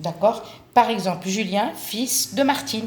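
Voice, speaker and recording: In an Algerian accent, a woman speaks at a very slow pace with audible room echo. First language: Arabic (speaking French). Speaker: spiritual ritual instructor. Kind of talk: tutorial. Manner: hesitant, many fillers; casual.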